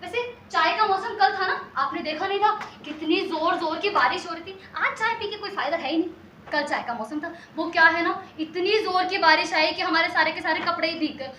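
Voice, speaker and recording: A woman's voice: extremely high pitch, pushed and bright, a little hiss or hum. A woman playing a bossy chattering young daughter. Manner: rapid, bossy, rambling chatter. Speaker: bride-to-be. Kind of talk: stage comedy acting. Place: theatre stage. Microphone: distant stage mic. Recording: echoey theatre from far off, music.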